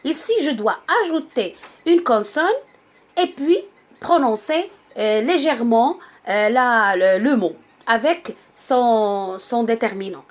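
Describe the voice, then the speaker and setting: Female teacher, high voice, patient step-by-step grammar explanations. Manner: patient, explains slowly with many examples and repetitions. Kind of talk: grammar lesson.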